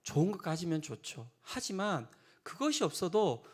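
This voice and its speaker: A middle-aged man preaching a sermon, telling a personal testimony in an animated way and acting out the voices he quotes. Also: high voice, moderate pace, breathy edge. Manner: animated storytelling, acts out quoted voices, drops to whispers. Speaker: pastor.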